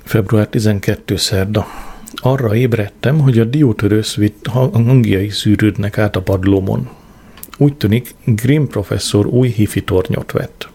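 A man reading a first-person diary novel aloud as an audiobook, in a measured, dry way, giving small voices to the quoted lines. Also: fairly low pitch, mellow, slightly rough. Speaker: audiobook narrator. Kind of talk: scripted first-person narration.

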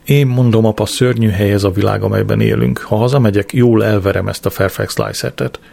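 A man's voice: lowish voice, fairly even intonation, vocal fry, darkish tone, dry recording. A man voicing a hot-headed young soldier son who is worked up and threatening. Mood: agitated.

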